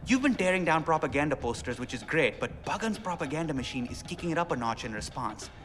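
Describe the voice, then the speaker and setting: An actor playing an excitable, chatty young rebel radio DJ in a video game, with a South Asian accent and theatrical, slangy, rambling talk. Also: male voice, fairly high pitch, fast. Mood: earnest, fired up. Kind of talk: game cutscene acting with radio patter. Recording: music behind, long reverb.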